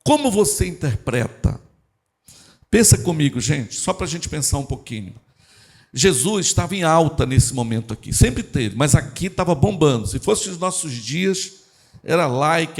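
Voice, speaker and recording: A man preaching a sermon in church, talking directly to the congregation. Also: on the high side. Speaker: pastor.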